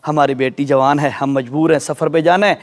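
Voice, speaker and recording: A man's voice: fairly high pitch, steady tone, pitched below the performer's own voice, natural voice. A man voicing a desperate king who humbly begs a holy man to keep his daughter. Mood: pleading. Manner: humble, pleading.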